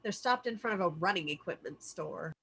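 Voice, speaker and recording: Bright-voiced woman reading stage directions. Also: fairly low pitch, lively intonation, a little fast, gravelly, husky. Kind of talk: scripted narration for a table read.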